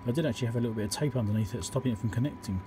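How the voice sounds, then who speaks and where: A man with a medium-pitched voice demonstrates a repair in a casual, hands-on way. He is matter-of-fact, explaining each step as he works at an indoor bench. The handheld camera's microphone picks up loud background noise along with him. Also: rapid-fire. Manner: matter-of-fact, talking through each step while working. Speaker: electronics repairer and video host. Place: indoor electronics workbench. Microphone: handheld camera or phone microphone.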